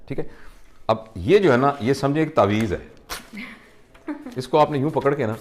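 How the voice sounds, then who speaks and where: A man, a doctor, calmly counseling a patient and explaining with simple everyday examples. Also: medium pitch, slight background noise.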